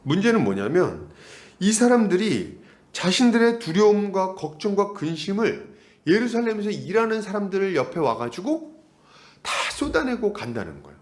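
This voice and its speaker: A male pastor delivers a sermon in a high, animated voice whose pitch swings widely. He keeps asking the congregation rhetorical questions and slips into the voices of the people he describes. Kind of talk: expository sermon.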